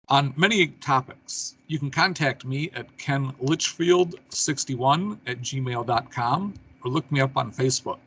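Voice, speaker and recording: A man with a husky, slightly rough voice hosts an interview show. He delivers prepared announcements and casual questions in a conversational way at a middling pitch. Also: a bit bright, low-quality recording. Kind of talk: scripted show intro and casual interview talk.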